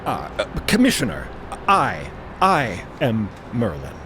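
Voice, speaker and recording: A man's voice: lowish voice, wildly swooping pitch, slow pace, music in the background, exaggerated voice. A man playing a polite, precise scientist in an audio drama, speaking formally with small hesitations. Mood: polite, measured. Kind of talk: audio drama character acting.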